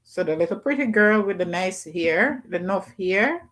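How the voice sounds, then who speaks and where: A woman's voice: mid-range voice, lively intonation, moderate pace, a bit bright. A woman hosting a casual livestream call-in, chatting loosely and greeting viewers by name. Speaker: livestream host.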